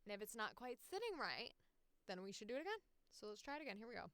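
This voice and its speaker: A woman's voice: on the high side, sing-song, fast talker, a bit bright, dry recording. A woman voice actor chatting casually on a livestream between takes.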